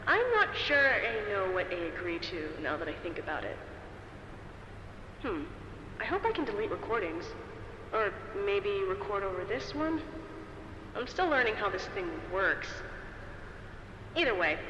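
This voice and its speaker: An actress playing an eager, hopeful woman in a sci-fi audio drama, chatting excitedly and thinking aloud into a recorder. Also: mid-range voice, lightly acted. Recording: echoey reverberant space, clear background noise.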